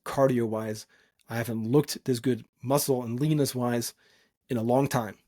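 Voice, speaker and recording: A man's voice: medium pitch, a little mellow. Dutch-born man, earnest unscripted podcast talk. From Netherlands. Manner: informal, earnest, emphatic, occasional swearing. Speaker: podcast host and coach.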